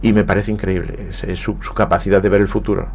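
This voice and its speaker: A man's voice: sits low, flat delivery, fast talker, darkish tone, a little hiss or hum. A man from Galicia with a Spanish accent, speaking reflectively as a guest on a radio interview, often hesitating and repeating words. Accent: Spanish, from Spain. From Galicia, Spain. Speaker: guest writer. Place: radio studio.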